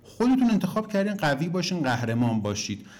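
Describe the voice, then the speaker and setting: A man teaching a relationship course to his students, talking to them directly, telling anecdotes and pushing his points with big rises and falls in pitch. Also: sing-song, a little mellow. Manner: emphatic, swings pitch up and down for emphasis; addresses listeners directly as "kids".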